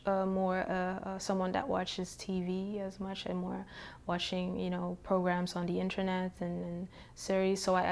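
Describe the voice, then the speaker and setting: A woman from Suriname, a poet, answering interview questions in a hesitant way, with many pauses, ums and restarts. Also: medium pitch.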